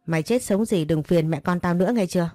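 A woman's voice: fairly low pitch, quick pace, warm tone, no room sound, clean studio sound, close to an everyday voice. A woman narrator voicing a greedy, harsh mother who snaps and threatens, over faint music. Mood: threatening.

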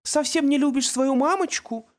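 A woman voicing a sickly mother possessed by a vengeful sorceress, with a shrill, shrieking manner, in an audiobook reading. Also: very animated, moderate pace. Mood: coaxing. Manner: shrill, shrieking, hissing threats.

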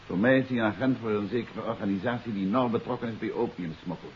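An actor playing a composed, astute amateur detective in a 1950s radio drama, speaking in a measured, confident, matter-of-fact way. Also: male voice, fairly low pitch, lightly acted. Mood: assured. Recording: dull, hissy 1950s radio recording.

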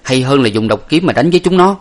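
A man's voice: mid-range voice, expressive, fast, voice pushed up, close to an everyday voice. A man voicing a bold young hero who barks orders in battle. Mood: commanding. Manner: shouting orders, forceful. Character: bold young male hero, commanding swordsman.

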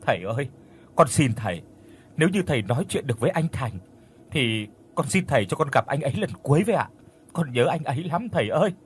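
A man's voice: mid-range voice, animated, brisk, slight background noise, lightly acted. A man voicing a grieving young woman who pleads tearfully and turns defiant, in a spoken ghost story. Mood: pleading, upset.

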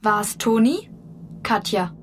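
A woman's voice: mid-range voice, lively intonation, takes it slowly. An actress playing a friendly young Christian woman reading out online forum messages in a chirpy, casual way. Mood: curious.

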